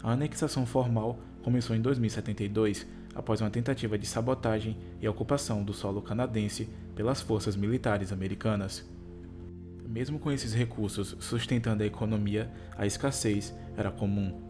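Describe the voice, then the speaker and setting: A Brazilian Portuguese-speaking YouTube narrator talks to online viewers in a brisk, steady, somewhat low voice, moving from scripted narration to a casual sign-off. A tongue-tie makes consonants such as R, S, T and L hard for him to articulate, and music plays in the background.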